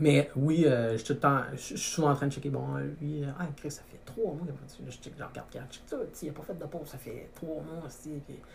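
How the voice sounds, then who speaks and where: A man with a fairly high pitch speaks at a moderate pace amid noticeable background noise. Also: fairly even intonation. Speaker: auto repair shop owner. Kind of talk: casual chat.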